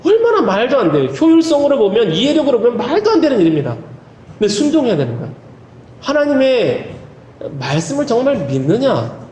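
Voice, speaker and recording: A man's voice: very high-pitched, wildly swooping pitch, fairly quick, mellow. A male pastor preaching a sermon in a church, earnest, with folksy humorous asides. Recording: roomy church hall, faint ambience.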